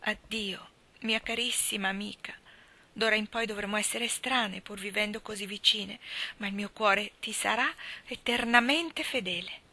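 A woman's voice: mid-range voice, normal speed, sharp tone. A woman voicing a dramatic, sentimental orphan girl who talks in a gushing, theatrical way. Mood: heartfelt.

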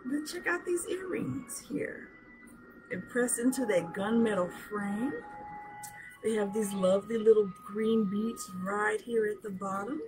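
A middle-aged woman with a hoarse voice, chatting casually as she shows jewelry to a webcam in a small room. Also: mid-range voice, background noise. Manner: chatty, slow, showing items up close. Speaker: jewelry seller. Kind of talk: live sales show chat. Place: small decorated room indoors. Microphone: webcam at arm's length.

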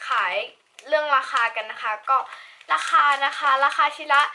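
Teen girl unboxing stuff, high little voice, kinda hesitant and chatty, noisy mic with crinkly packaging. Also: normal speed, bright, forceful tone. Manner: chatty, polite, hesitant restarts. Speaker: unboxing vlogger. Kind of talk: casual product review. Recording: noisy home recording. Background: crinkling packaging and clicks.

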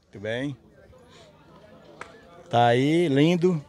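A man's voice: medium pitch, very slow, darkish tone. A man with a Northeastern Brazilian accent hosting a casual outdoor market vlog, chatting familiarly in short stock catchphrases. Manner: repeats stock catchphrases, addresses people familiarly. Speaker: host, market reporter. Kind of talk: casual on-location vlog commentary and interviewing. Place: outdoor dirt-lot livestock market with trucks.

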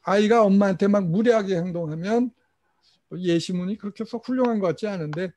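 A middle-aged man leads a parent training session in an easy, chatty lecture style. His voice sits noticeably high, and he moves through personal family anecdotes, acting out short quotes from his relatives. It sounds like a talk given over an online screen share. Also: fairly quick, mellow. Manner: storytelling, mimics family members in quotes, chuckles. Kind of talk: casual lecture with acted quotes.

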